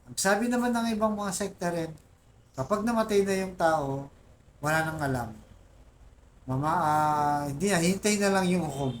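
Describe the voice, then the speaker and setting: Earnest and informal, a Catholic faith vlogger with a Filipino accent reads scripture aloud to his viewers and often asks "di ba?" ("right?") and says "guys." He has a high, expressive voice at normal speed and pauses often. Slight background noise is present.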